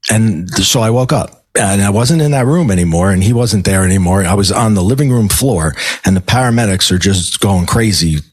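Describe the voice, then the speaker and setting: A middle-aged man, a podcast guest, recounting a personal story in a halting way, repeating words and restarting sentences. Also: on the low side, husky, dry recording. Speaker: podcast guest, medium and life coach. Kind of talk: telling a personal story in conversation.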